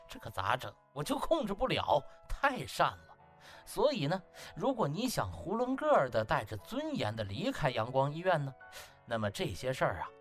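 A man's voice: on the high side, a bit bright. A man voicing a cocky young hospital section chief who taunts with slick mock politeness and sly chuckles. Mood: mocking, smug. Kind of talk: audiobook character acting.

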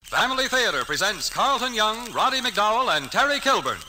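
Male radio announcer, old-time show opening, high swooping voice, loud musical backing. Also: big pitch swings, fairly quick, over loud music, poor audio.

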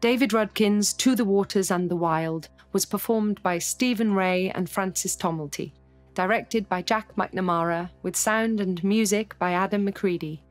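A woman's voice: medium pitch, a little slow, soft background music. A woman announcer giving a scripted read of closing credits for a podcast.

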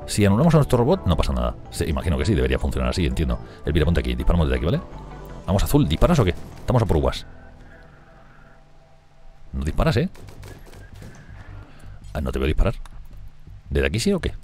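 A man commenting on a strategy game he is playing, talking fast and excitably, swearing and laughing often. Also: extremely low pitch, soft background music. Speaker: gameplay streamer.

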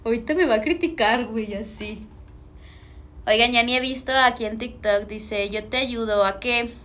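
A woman's voice: on the high side, normal speed, a bit bright. A young woman with a Mexican Spanish accent chatting casually on a livestream, reading viewer comments, slangy and playful, laughing often.

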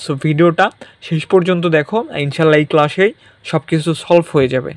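A man's voice: on the high side, steady tone, brisk, no echo. A young man teaching an exam-prep language lesson in a casual way, often saying "okay" and mixing in English words. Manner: casual, repeats "ঠিক আছে", mixes in English words. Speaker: online tutor.

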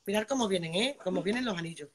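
A woman's voice: medium pitch, fast talker, crowd noise. A woman from Spain selling jewelry on a live stream, chatting to viewers, greeting them by name and checking in with a constant "vale". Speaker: online jewelry seller. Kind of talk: live-stream sales pitch.

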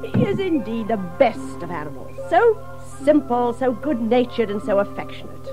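An actor playing a kindly, sensible gentleman water rat, affable and chuckling, in a children's audio drama. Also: very high-pitched, big pitch swings, normal speed, music in the background. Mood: fond, amused.

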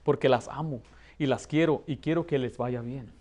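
A man in his thirties who grew up in the United States, preaching a lively sermon from a pulpit with a Mexican Spanish accent. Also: medium pitch, moderate pace. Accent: Mexican Spanish, learned in the United States. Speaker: pastor. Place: church hall, plain indoor room.

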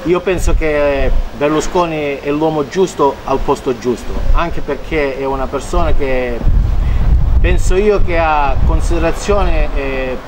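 A man's voice: fairly high pitch, unhurried, noisy background. An older man outside a shop giving his opinion earnestly, searching for words. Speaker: passerby interviewed. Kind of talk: street interview.

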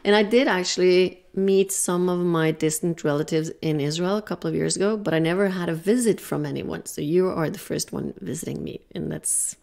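A woman's voice: lowish voice, fairly quick, gravelly, hardly any pauses, a little mellow. A woman hosting a podcast interview. She is chatty and stumbles over some words as she asks questions. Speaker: podcast host.

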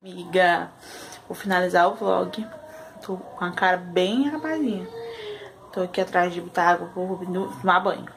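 Mãe brasileira cansada, papo de vlog. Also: female voice, fairly low pitch, moderate pace, gravelly, noisy background. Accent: Brazilian. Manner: chatty, sighing, with frequent "ai" and "né". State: tired after a sleepless night. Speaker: vlogger and mother. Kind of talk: casual home vlog. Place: at home.

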